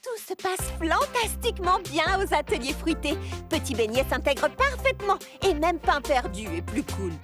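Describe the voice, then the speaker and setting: Sweet upbeat kid baker girl, cartoon, high and bouncy pitch, music behind her. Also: big pitch swings, moderate pace, hardly any pauses. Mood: excited. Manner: earnest, encouraging. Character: kind, upbeat young girl baker, friendly and forgiving. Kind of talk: animated children's series dub.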